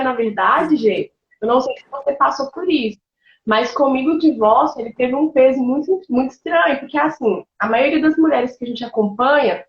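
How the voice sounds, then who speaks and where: A woman's voice: sits high, roomy sound, dull audio. A woman pastor, telling her personal testimony in an interview with emotion and bursts of laughter. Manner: emotional, animated storytelling with laughs and colloquial fillers.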